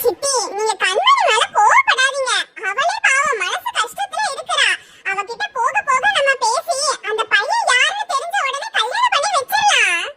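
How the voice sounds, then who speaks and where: Sarcastic young cartoon woman, voiced by a woman, very high, blunt, noisy track. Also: sing-song, moderate pace. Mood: taunting. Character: sharp-tongued young woman, cousin Aishu. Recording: loud background noise.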